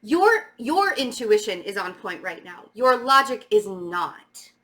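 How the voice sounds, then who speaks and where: A middle-aged tarot reader with a slight stammer gives a halting spiritual reading, talking casually and emphatically to viewers and repeating words for stress. Her medium-pitched voice is a bit bright, with big pitch swings.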